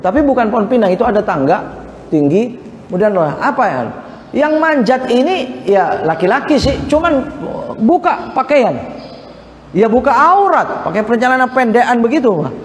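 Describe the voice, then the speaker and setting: A man preaching a dawn sermon in a mosque, from Indonesia, chatting with the congregation and asking for their agreement, his voice jumping between high emphatic bursts and low murmurs. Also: big pitch swings, moderate pace, slight background noise. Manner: conversational, often asks the congregation for agreement. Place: mosque hall. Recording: echoey mosque hall.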